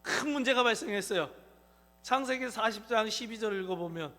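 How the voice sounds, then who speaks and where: A male pastor preaching a Sunday sermon in a church sanctuary, swinging between shouting and hushed tones. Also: sits high, lively intonation, brisk. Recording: reverberant church hall.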